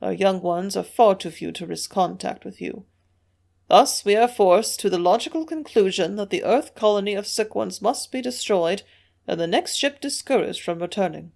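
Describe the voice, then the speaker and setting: A frail, ancient Martian elder, read by a woman, speaks in a high, quavering voice. He stays calm and earnest, gently persuading his listeners toward a cold decision. An audiobook reading. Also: normal speed, vocal fry. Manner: soft-spoken, coolly persuasive.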